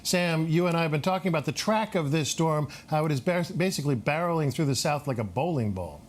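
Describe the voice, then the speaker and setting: An American man anchoring live breaking news without a script, halting and repeating words as he goes. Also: a little high, animated.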